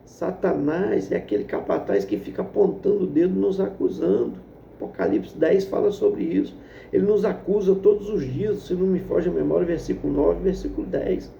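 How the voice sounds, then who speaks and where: A man's voice: high-pitched, expressive, moderate pace, gravelly, mellow, slight background noise. A male pastor telling a story in a sermon, talking vividly to his listeners, recorded in an echoey room with a dull lo-fi sound.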